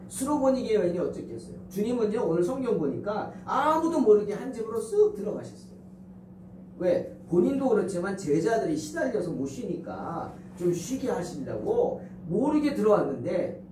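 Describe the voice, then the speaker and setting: A man's voice: high voice, darkish tone, slight background noise. Fervent male pastor in an echoey church. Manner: fervent, many rhetorical questions. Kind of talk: sermon. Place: church sanctuary. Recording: echoey church hall, distant mic.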